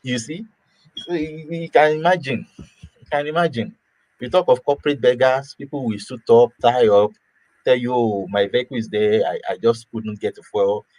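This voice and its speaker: A man's voice: medium pitch, moderate pace, a little mellow, no room sound, low-quality recording. A man from Nigeria talking casually, often repeating and restarting words and breaking into small laughs. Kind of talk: casual opinion talk.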